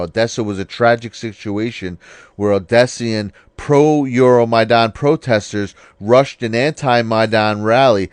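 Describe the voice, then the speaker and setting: Brief: male commentator, casual and rhetorical, dry close-miked sound, mid pitch. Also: no echo. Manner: rhetorical, punctuated with "all right?". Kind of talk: casual commentary over video clips.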